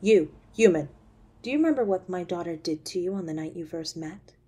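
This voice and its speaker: A woman acts as an ancient succubus matriarch in an audio drama, her voice low and rough-edged. She is haughty and cruel, talking down to others with imperious mockery and menace. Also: lively intonation, brisk, dark tone. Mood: mocking, condescending. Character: haughty, cruel centuries-old succubus demon mother. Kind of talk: scripted audio roleplay acting.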